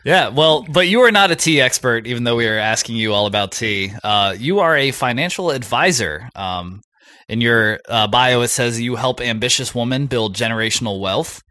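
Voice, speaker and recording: Bright-voiced man host, dry sound. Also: mid-range voice, lively intonation, moderate pace, dry recording. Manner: friendly, joking questions. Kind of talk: casual interview chat.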